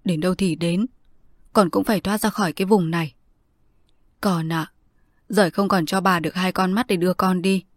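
A woman's voice: fairly low pitch, fairly even intonation, a little slow, pauses often, no room sound, natural voice. A woman voicing an old blind grandmother. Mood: hushed urgent. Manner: hushed, whispering close.

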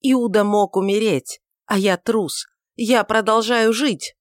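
A woman's voice: a little high, measured pace, no echo, clean studio sound, voice pushed up, natural voice. A woman reading aloud and voicing a grown male apostle, anguished and desperate, in wailing, frantic outcries. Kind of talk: audiobook reading of a dramatic novel.

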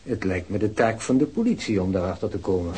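An actor in a radio play playing a cool, evasive male company executive who answers police questions curtly and condescendingly, with a husky voice. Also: lowish voice, expressive, fast, mellow. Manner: curt, guarded, condescending. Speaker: business executive. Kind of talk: Dutch radio play acting.

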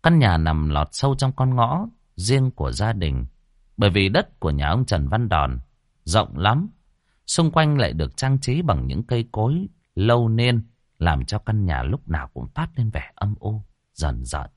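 A man telling a dramatic story with vivid, expressive narration. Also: on the low side, a little slow, no echo, studio quality.

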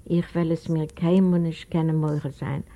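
A guilt-ridden old widower speaks his sorrow in a storybook reading, as a woman reader puts him on. His voice sits low and mellow, and the words come as a remorseful plea. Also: level tone, takes it slowly. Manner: remorseful, pleading. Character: grieving elderly widowed father, guilt-ridden. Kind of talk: audiobook character voice.

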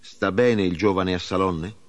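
A man voicing an old king, a father mourning his son, in a solemn, measured reading. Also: low voice, fairly even intonation.

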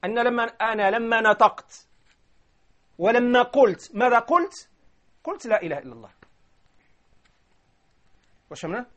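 A man's voice: extremely high pitch, lively intonation, moderate pace, pauses often, a bit bright. A man giving a classroom grammar lecture, explaining step by step and often checking whether his listeners follow. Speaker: grammar teacher.

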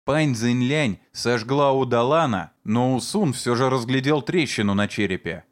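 A man voicing a vengeful man who sneers at and shouts accusations against his brother-in-law. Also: medium pitch, normal speed, close to an everyday voice. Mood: sneering accusation.

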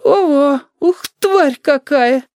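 A man reading a story and voicing a nosy, grumbling old grandmother in a high, drawling, sing-song voice. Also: slow pace, darkish tone, no echo, studio quality, full character voice. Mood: querulous.

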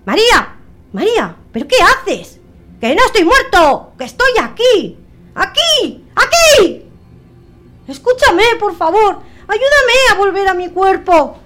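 A woman's voice: extremely high pitch, very animated, takes it slowly, a bit bright, pitched above the performer's own voice, exaggerated voice. A woman voicing the ghost of a young husband who pleads desperately to be heard.

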